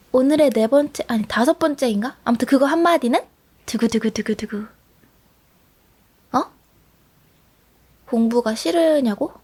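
A woman's voice: high-pitched, a little mellow. A young woman voicing a bold, chatty teenage schoolgirl at the bottom of her class, teasing and asking question after question in a whispered role-play. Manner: teasing, talkative, rapid questions.

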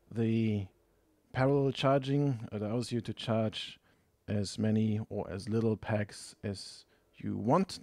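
A man with a fairly low voice presents a practical how-to. He speaks slowly and methodically, explaining each step in a matter-of-fact way. The sound is dry, with little room in it. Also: creaky, warm tone, no echo. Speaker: tutorial presenter. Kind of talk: hands-on instructional narration.

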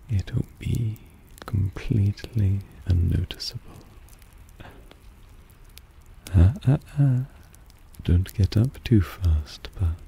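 A man playing a suave, possessive vampire in intimate ASMR roleplay, soft, teasing and soothing, often dropping into a whisper. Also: deep voice, vocal fry, a little hiss or hum, exaggerated voice. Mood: tender, attentive.

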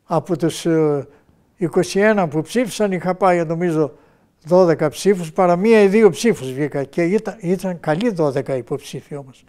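An older man from Macedonia, a retired heart surgeon, reminiscing in a lively way and acting out past conversations with shifting voices. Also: fairly high pitch. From Macedonia, Greece. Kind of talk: reminiscing storytelling.

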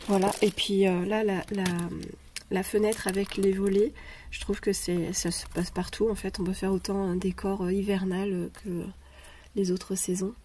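A woman's voice: medium pitch, flat delivery, warm tone, slight background noise. Woman with a cold, unboxing crafts. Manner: hesitant, many pauses and "euh" fillers. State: has a cold, stuffy voice. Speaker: craft vlogger. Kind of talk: casual unboxing chat. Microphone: camera over a tabletop, speaker off-frame. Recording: paper crinkling and clicks behind.

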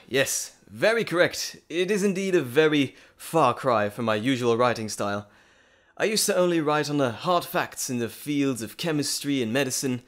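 A man's voice: a little high, fairly bright tone. A man playing an earnest, polite, bashful doctor and lecturer in an audio drama, articulate and formal. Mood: flustered, friendly. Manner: articulate, formal, eager to ramble. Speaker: voice actor in audio roleplay. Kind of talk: audio drama roleplay acting, addressing the listener.

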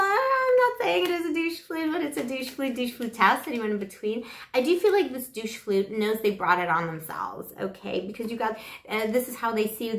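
A woman with a flu-hoarse voice giving a playful, rambling tarot reading to camera on a lapel mic. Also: fairly high pitch, echoey room. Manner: gushing, playful, rambling with fillers. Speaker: tarot reader. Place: small bedroom with kitchenette. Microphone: clip-on lapel mic.

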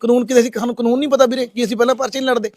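A very high-pitched man from Punjab talks fast, working as a social worker in a village. He confronts people sharply and questions gently, recorded outdoors on a handheld camera. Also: little pitch movement, no echo. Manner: shouts angrily at villagers, then speaks softly to the rescued man.

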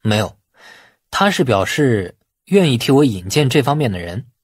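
A man acts out a shrewd, easygoing younger businessman in audiobook dialogue. He explains things colloquially in a husky voice with lively pitch. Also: normal speed, no echo, clean studio sound. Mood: matter-of-fact.

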